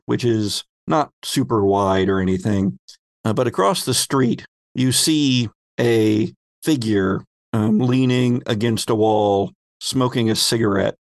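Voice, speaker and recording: A man acting as game master, narrating an improvised tabletop game descriptively and pausing to find his words. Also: on the low side, creaky, no echo.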